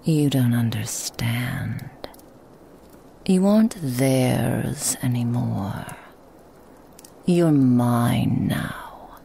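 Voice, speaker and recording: A woman voicing a seductive, possessive female Krampus demon in a whispered ASMR roleplay, teasing and mocking in an intimate hush. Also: extremely low pitch, extremely slow, vocal fry, pauses often, a little hiss or hum, full character voice. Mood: menacing.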